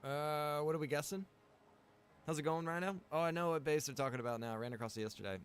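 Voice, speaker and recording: A man's voice: on the high side, fast talker, smooth. A man talking casually while playing an online game. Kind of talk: casual chat during a game.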